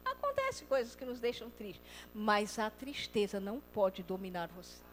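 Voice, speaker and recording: A woman preaching a lively sermon. She acts out quoted voices and swings between loud and soft. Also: mid-range voice, moderate pace, long reverb tail, slight background noise.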